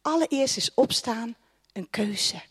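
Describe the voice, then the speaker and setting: A woman's voice: on the high side, expressive, slow, breathy edge. A woman preaching a sermon to a congregation, impassioned, with repeated declarations and commands. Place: church hall with congregation.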